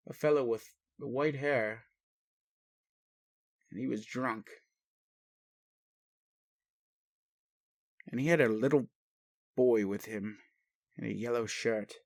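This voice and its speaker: A man playing a bemused, gentle and naive male alien caregiver in an intimate roleplay audio, speaking hesitantly and haltingly. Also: medium pitch, dry recording, clean studio sound, lightly acted. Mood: puzzled, recalling. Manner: hesitant, puzzled, halting, sighing. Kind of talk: intimate one-sided roleplay audio acting.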